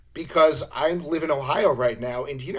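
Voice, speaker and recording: A man with a New York accent speaks in a somewhat breathy voice. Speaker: comics podcast host. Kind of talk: casual chat.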